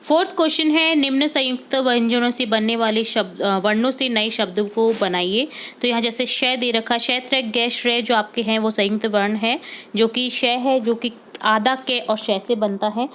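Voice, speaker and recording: Patient woman teacher, slightly high voice. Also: steady tone, a bit bright. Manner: patient, repeats words slowly and checks in with "ठीक है". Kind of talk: homework walkthrough lesson for young pupils.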